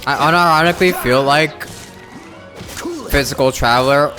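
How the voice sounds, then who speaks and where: A man's voice: on the high side, moderate pace. A man doing casual live gaming commentary and chatting with viewers in a blunt, sweary, slangy way. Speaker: game streamer. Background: game music.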